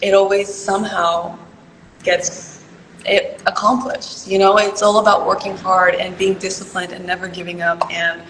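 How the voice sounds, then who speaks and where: A woman's voice: medium pitch, level tone, moderate pace, a bit bright, slight background noise. A young woman, raised in California, answering interview questions in an earnest, chatty way full of "like" and "you know". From born in Peru, raised in California. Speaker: pageant contestant interviewee. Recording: echoey room with long reverb.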